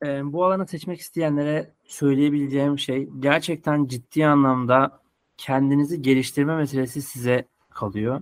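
This man has an unremarkable speaking voice with a fairly high pitch. He keeps a moderate pace and fairly even intonation. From Adana, southern Turkey. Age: 20s. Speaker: musician and music education student. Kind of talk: interview.

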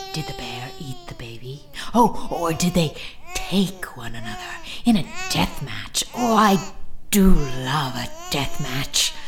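A woman speaks at a fairly slow pace over clear background noise. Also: fairly low pitch for a woman.

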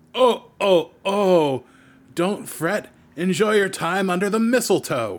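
In a put-on character voice, a man cackles at a high pitch and a fairly slow pace. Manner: cackling, villainous.

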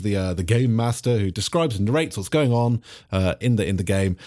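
An English accent on a very clean recording with a silent background. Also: man. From Britain. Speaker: tabletop game podcast co-host. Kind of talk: casual chat and role-play.

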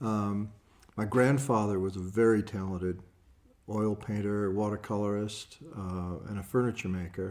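With an American accent, a man in an unremarkable speaking voice talks at a fairly low pitch and moderate pace, his intonation fairly even. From Michigan, Detroit suburbs. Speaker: newspaper cartoonist and artist. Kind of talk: interview conversation.

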